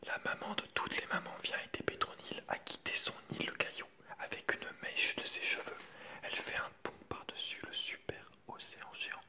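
Moving fairly quickly, a man whispers through a children's picture book in a hushed, unvoiced library tone. This ASMR reading is peppered with casual comments to viewers.

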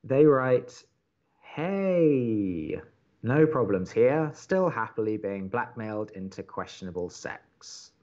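An earnest young man co-hosting college radio in an audio drama. His delivery swings expressively in pitch as he placates and hesitates. The recording is a little muffled. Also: big pitch swings, takes it slowly, darkish tone. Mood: reading letters. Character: soothing young male college radio co-host, earnest and conciliatory.

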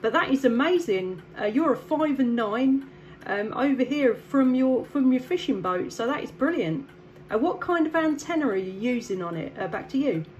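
A woman from south east England chats casually over CB radio, friendly and upbeat, passing the turn back with "back to you." Her high voice has lively intonation, a slightly mellow quality and normal speed, though the recording sounds muffled.

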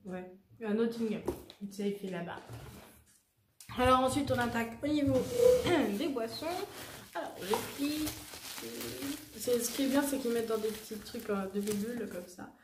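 A woman's voice: a little high, normal speed. Woman, young adult, casual rambling haul chat, echoey room, faint background noise. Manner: chatty, rambling, self-correcting with many fillers. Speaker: vlogger showing a shopping haul.

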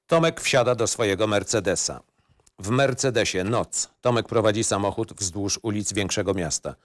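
A man's voice: on the low side, normal speed. A man reading scene headings and stage directions as the narrator of a screenplay.

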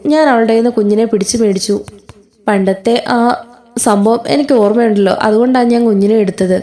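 A woman's voice: medium pitch, dark tone, natural voice. A woman voicing a tearful young woman who explains her side earnestly in a serial story recap. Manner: earnest, pleading.

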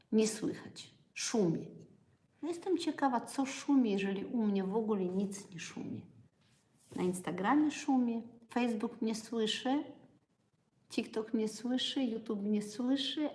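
A woman's voice: mid-range voice, roomy sound. A woman hosting a casual livestream on her phone, chatting with viewers and asking them questions as she talks about health. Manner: chatty, asks the audience questions. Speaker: livestream host, acupuncture educator. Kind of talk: casual live-stream talk to viewers.

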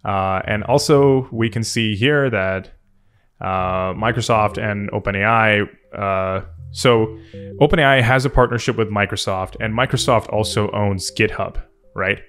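A man's voice: fairly low pitch, measured pace, fairly bright tone. A man hosting a tech video, giving casual off-the-cuff commentary in a hesitant, thinking-aloud manner. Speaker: tech video host and software developer. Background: background music.

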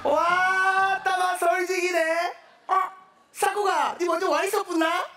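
High-pitched Gyeongsang country lad. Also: male voice, level tone, slow pace, bright, forceful tone, soft background music, full character voice. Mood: amazed. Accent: Gyeongsang Korean. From Busan region, South Korea. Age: young adult. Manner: blunt, exclamatory dialect. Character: naive, easily impressed young man from the provinces. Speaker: sketch comedian. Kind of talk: stage sketch comedy. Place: large theatre stage, indoors. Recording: echoey, noisy live TV stage.

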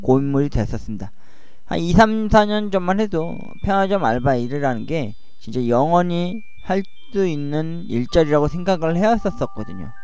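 A man in his forties talking slowly about his own life into a cheap home microphone, with a slight lisp, slurred diction and many hesitant fillers. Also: on the high side, lively intonation, a little mellow, clean tone. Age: 40s. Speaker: YouTuber. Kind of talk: personal monologue over music. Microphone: cheap microphone at home computer. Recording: music playing behind voice.

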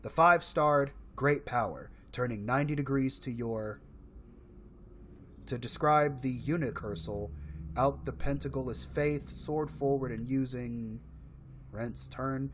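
A man in his thirties giving casual, expressive commentary as he plays and reads aloud from a video game. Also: mid-range voice, measured pace, slight background noise. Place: indoor room, solo gaming setup.

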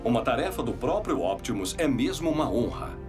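An actor playing a formal, earnest, rule-loving robot police officer in a cartoon dub. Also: male voice, mid-range voice, sing-song, brisk, lightly acted. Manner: stiff, earnest, precise. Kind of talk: animated series dub acting. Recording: distant, music underneath.

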